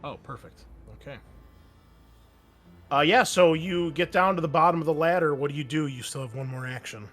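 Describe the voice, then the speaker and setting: A man's voice: fairly high pitch, moderate pace, fairly bright tone. A man running a tabletop roleplaying game as game master, talking casually, swearing now and then and thinking aloud. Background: background music.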